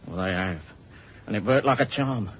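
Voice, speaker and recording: A man's voice: lowish voice, moderate pace, lightly acted. An actor playing a sly male crook posing as a cab driver, gloating in coarse, working-class slang. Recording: dull old radio recording with clear hiss.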